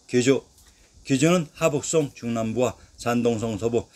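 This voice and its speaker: A man narrating a scripted history lesson, reciting long lists of old place names in a steady, measured way with each list falling at its close. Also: mid-range voice.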